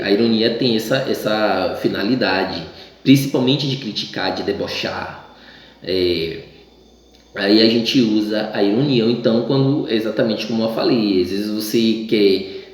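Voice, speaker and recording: A male teacher from Bahia, Brazil, giving a casual class lesson, stumbling and restarting often and acting out the voices he quotes. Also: mid-range voice. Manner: chatty, acts out quoted voices, many restarts. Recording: very echoey room.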